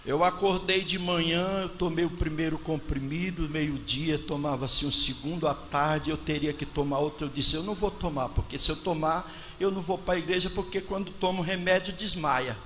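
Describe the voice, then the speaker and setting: A Brazilian man in his forties preaching a testimony sermon into a handheld microphone at a pulpit, moving from hushed storytelling to shouted praise. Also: on the high side, normal speed. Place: large church hall with congregation. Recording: long church-hall reverb, faint noise.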